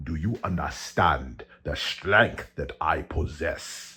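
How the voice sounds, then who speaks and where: In a put-on character voice at a very deep, low pitch, a man speaks at a very slow pace on a very clean recording with a silent background. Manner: menacing, dramatic.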